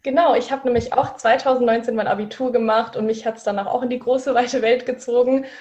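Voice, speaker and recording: A woman of twenty co-hosting a podcast in relaxed casual chat, with frequent fillers. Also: fairly high pitch, brisk. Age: 20s. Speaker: podcast co-host.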